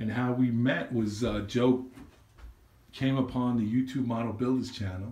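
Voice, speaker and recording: With a New York accent, a man at a medium pitch speaks at a moderate pace in a dark, mellow tone, his intonation monotone and flat, with audible room echo. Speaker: model railroad hobbyist, channel host. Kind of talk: casual chat. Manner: halting, many fillers.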